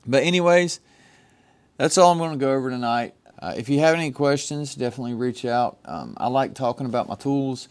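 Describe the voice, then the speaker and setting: A man with a rough voice casually explaining his jewelry engraving tools and giving advice to beginners, talking into a microphone. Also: medium pitch, a little fast. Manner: meandering, with frequent ums and restarts. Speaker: jewelry engraving hobbyist vlogger. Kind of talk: casual show-and-tell explanation.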